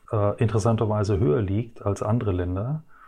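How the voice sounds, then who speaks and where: A man's medium-pitched voice with fairly even intonation over a quiet background. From Belgium, Brussels. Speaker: education company executive. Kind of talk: interview. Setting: remote call. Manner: halting, many fillers and repetitions.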